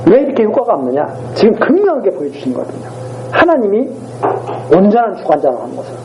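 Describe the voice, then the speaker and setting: A man's voice: high-pitched, wildly swooping pitch, fast talker, background noise. A man pastor giving a sermon, reading scripture verses aloud and then retelling them in blunt, everyday speech. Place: church. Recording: dull lo-fi church recording.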